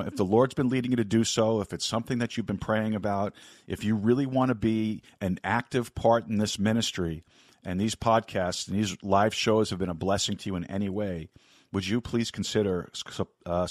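Hoarse low-voiced New man. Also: a little fast, no room sound, studio quality. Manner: folksy, rambling, frequent "uh" and "folks". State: slightly hoarse, scratchy voice. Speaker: podcast host and Bible teacher. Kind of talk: casual live podcast talk.

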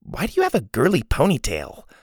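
A cheeky little girl speaks in a high, bouncy voice and says exactly what she thinks, as a man reads her out. She is sassy and unfiltered. The sound is close and dry. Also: huge pitch swings, brisk, slightly rough, no room sound, exaggerated voice. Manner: sassy and blunt.

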